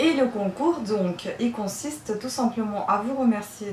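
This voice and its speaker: A woman with a Russian accent at a fairly slow pace, over noticeable background noise. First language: Russian (speaking French). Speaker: craft YouTuber. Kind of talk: casual vlog announcement. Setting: at home, window open. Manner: hesitant, many fillers.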